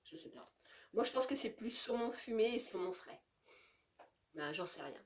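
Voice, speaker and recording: A woman's voice: on the high side, animated, moderate pace. Chatty woman with a cold, haul vlog. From France. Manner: chatty and playful, coos and baby talk to her cat. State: stuffy with a cold. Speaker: vlogger. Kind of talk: casual grocery haul chat to camera. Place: bedroom with leafy wallpaper, indoors. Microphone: camera in front at close range.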